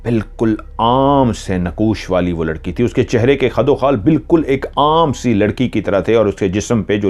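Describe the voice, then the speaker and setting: A male storyteller with a fairly low voice tells a horror tale in the first person. His delivery is measured and dramatic, sinking to near whispers when the suspense builds. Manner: measured, hushing to near whispers in tense moments.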